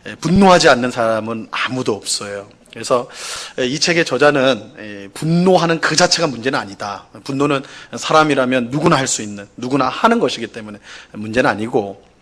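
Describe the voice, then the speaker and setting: A man's voice: medium pitch, animated, brisk, a bit bright. A male pastor giving a Sunday sermon in a conversational style, full of fillers and rhetorical questions, who acts out quoted complaints in a raised, pleading voice. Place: church sanctuary.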